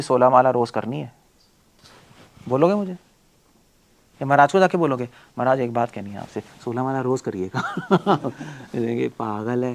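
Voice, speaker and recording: Male monk preacher, lecture voice, blunt and forceful, asks the audience question after question. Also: on the high side, gravelly. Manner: forceful, blunt, rhetorical questions, mixing in English.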